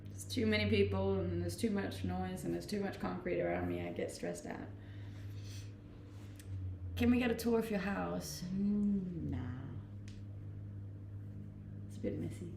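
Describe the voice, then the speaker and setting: Reading viewer questions on her stream, a young woman from Denmark speaks with a Danish accent in a fairly low, creaky voice with lively intonation at a normal pace. She laughs easily during the casual chat, recorded indoors at a rented house with roomy sound and background noise.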